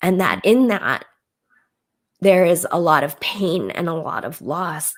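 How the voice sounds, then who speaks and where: With a General American accent, a woman with a normal speaking voice and a fairly low pitch speaks at a fairly slow pace with ordinary pitch variation. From United States (Korean American, moved from Korea as infant). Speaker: author and speaker. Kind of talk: casual interview.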